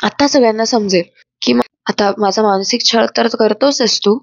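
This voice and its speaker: A taunting, scheming young wife, spoken by a woman narrator speaks in a sharp, scornful tone. Her voice sits a little high. The recording is dry and slightly dull. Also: normal speed, creaky, no echo.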